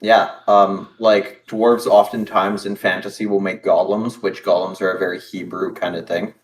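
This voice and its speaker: A man with a lowish voice, chatting casually as a guest on a stream. He rambles through his opinions, pausing with "uh" and hunting for the right word. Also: level tone, low-quality recording. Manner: rambling, opinionated, fumbles for words. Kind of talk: casual chat.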